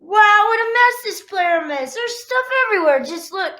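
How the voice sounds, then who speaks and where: Woman reading as a high-voiced, patient mother dog. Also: expressive, normal speed, pushed and bright, heavily acted. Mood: exasperated, firm. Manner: rhyming, instructive, patient. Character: mother dog firmly, lovingly counseling her squabbling pups. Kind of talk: children's picture-book read-aloud.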